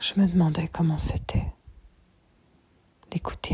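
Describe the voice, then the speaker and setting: A woman is whispering. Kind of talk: podcast episode. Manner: whispered; soft, slow.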